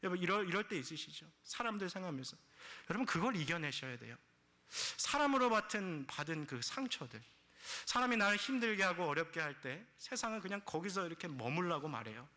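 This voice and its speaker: A man preaching in a church sanctuary. His voice sits a little high and rings bright, with a long reverb trailing behind every phrase. He tells his story in a flowing, filler-heavy way and breaks into the voices of the people in it. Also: big pitch swings, brisk. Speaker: pastor. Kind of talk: sermon.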